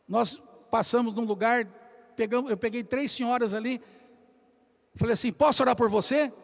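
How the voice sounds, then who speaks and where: A man preaching a sermon, telling lively stories and calling out to the congregation as brothers. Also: high voice, gravelly. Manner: animated storytelling, addresses congregation as brothers.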